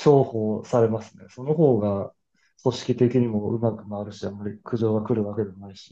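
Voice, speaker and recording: A man talks at a moderate pace in a dark, mellow, fairly low voice with fairly even intonation. His loudness swings widely against a quiet background. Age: 30s. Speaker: massage therapist. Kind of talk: casual interview.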